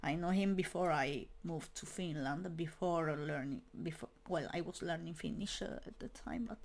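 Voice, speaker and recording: A woman's voice: deep voice, moderate pace, vocal fry. A young woman speaking English as a second language in a casual monologue, hesitant and full of fillers and restarts. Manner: non-native English speaker. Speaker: metal media creator.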